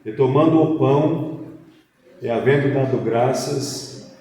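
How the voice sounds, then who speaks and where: A Brazilian man preaching and reading scripture, speaking deliberately phrase by phrase in a church hall. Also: mid-range voice, dark tone. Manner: deliberate, phrase by phrase, with rhetorical questions. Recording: very echoey hall, distant mic, faint noise.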